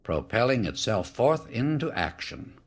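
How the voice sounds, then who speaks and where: A man reading a spiritual audiobook as scripted narration, in a solemn, measured, declarative way. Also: medium pitch, sing-song.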